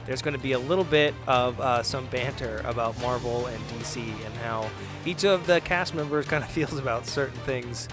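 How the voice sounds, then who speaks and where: A man, the podcast host, casually addressing listeners in a rambling way with fillers. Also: mid-range voice. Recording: music bed behind voice.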